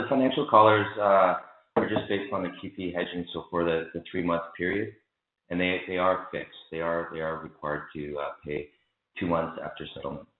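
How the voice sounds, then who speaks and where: A man answering as a finance executive on an earnings call. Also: sits low. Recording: roomy, narrowband phone line.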